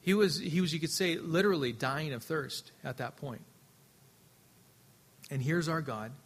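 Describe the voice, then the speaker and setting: A man preaching a sermon earnestly, his voice swelling louder and then dropping soft, often repeating words as he restarts. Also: on the high side, normal speed, breathy edge. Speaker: pastor.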